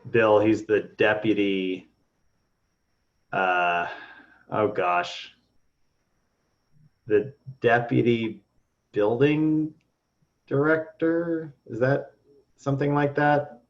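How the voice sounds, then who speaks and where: Man, lowish voice, meeting chair, halting and filler-heavy, muffled lo-fi audio. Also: steady tone. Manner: halting, many restarts and fillers. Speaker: board member leading the meeting. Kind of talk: casual meeting discussion.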